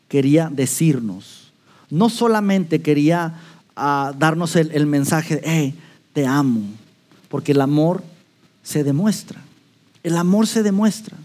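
A man's voice: a little high, darkish tone. A man with a Mexican Spanish accent preaching a sermon, asking rhetorical questions and acting out playful scenes. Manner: rhetorical questions, playful role-play asides. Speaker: pastor.

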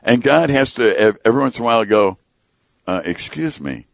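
A man speaking as a guest on a Christian radio program, earnest and animated, acting out quotes as he tells stories. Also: mid-range voice, a little fast, gravelly, no echo. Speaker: ministry president and radio guest. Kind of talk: casual Christian radio conversation.

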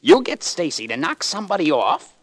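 An actor playing a nervous, fawning gangster underling with a high voice, in a 1950s radio drama. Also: male voice, sing-song, fairly quick.

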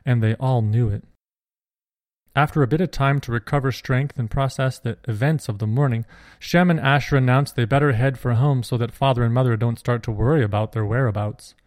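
Male storyteller, mid-pitched, steady clear reading, dry close sound. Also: dry recording. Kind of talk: reading a Christian children's story aloud.

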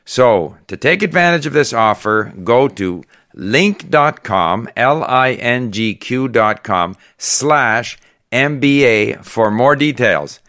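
A man giving a teaching talk on learning languages, calm and steady, reassuring the listener. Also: medium pitch, slow pace. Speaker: guest teacher. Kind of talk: instructional monologue.

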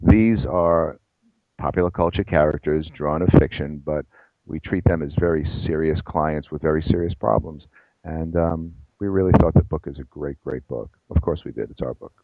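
A man's voice: very deep voice, fairly even intonation, moderate pace, no echo, phone-quality sound. A middle-aged man, a psychologist and professor, answering interview questions in a discursive, self-deprecating way with many restarts.

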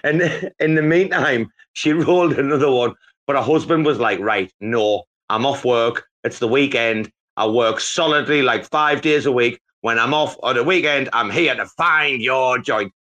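A man's voice: medium pitch, moderate pace, sharp tone. A man hosting a casual live chat, telling a rambling story full of swearing.

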